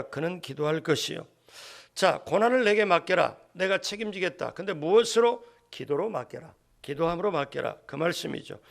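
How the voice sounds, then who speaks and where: A man preaching at a dawn prayer service, his voice raised and gravelly. He poses questions to the congregation and slips into the voices of the figures he quotes, shifting his tone for each. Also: fairly high pitch. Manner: acts out Bible figures' lines in changing tones. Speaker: pastor.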